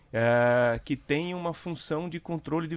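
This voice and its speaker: A man speaks with a northeastern Brazilian accent on a very clean recording with a silent background. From Natal, Rio Grande do Norte, Brazil. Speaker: neurosurgeon. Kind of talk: radio interview. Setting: studio.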